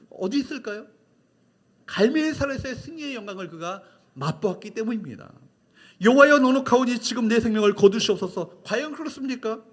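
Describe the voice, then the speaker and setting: High bright-voiced male pastor. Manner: emphatic, repetitive, asks the congregation questions. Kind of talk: sermon.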